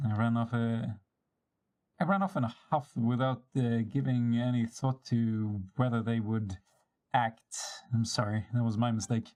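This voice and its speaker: Live streaming over background music, a man performs video game dialogue dramatically, switching between character voices and sometimes tripping on a word and rereading the line. His voice is medium-pitched with a darkish tone.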